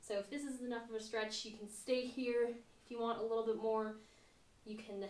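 A woman with a fairly high pitch is heard with audible room echo. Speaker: yoga instructor. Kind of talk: guided yoga instruction, calm step-by-step cues. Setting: video for a YouTube channel. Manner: soft, slow, soothing and unhurried; casual and friendly, with small filler words. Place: home room.

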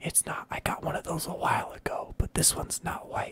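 Someone whispers at a moderate pace. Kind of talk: casual gaming commentary. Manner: whispered.

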